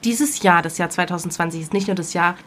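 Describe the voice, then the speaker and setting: A woman's voice: on the low side, a little fast, crowd noise. A woman co-hosting a podcast in playful, cheeky casual chat while sitting outdoors. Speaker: podcast co-host.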